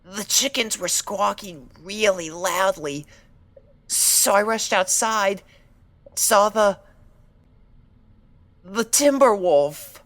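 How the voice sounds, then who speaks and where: A woman's voice: medium pitch, animated, slow pace, long pauses, fairly bright tone. A woman voicing a timid, frightened young pony, speaking hesitantly with stammers and apologies in an audio story. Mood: timid, nervous. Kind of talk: dramatic audio story acting.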